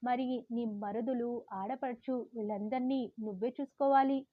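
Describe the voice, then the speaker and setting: A woman's voice: fairly high pitch, steady tone, unhurried, no room sound, narrow, tinny audio. A woman voicing a younger teenage sister who slyly teases her older sister. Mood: teasing.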